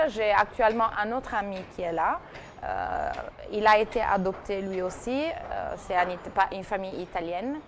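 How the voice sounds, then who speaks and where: A woman presenter on a TV talk show recounting someone's story, with frequent fillers and restarts. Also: mid-range voice. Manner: hesitant, many fillers and restarts. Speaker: TV segment presenter. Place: TV studio. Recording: TV studio broadcast with faint noise.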